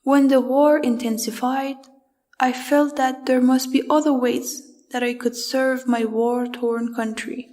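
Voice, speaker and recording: A young woman from Afghanistan, a student, narrating her own story in a slow, measured and heartfelt way. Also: high-pitched, flat delivery, a little mellow. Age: young adult. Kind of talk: reflective personal narration.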